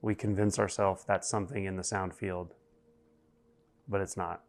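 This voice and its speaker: A guided meditation is led by a man whose low voice stays steady and nearly flat in melody, with faint music playing underneath. He delivers brief, careful phrases and lets long silences fall between them.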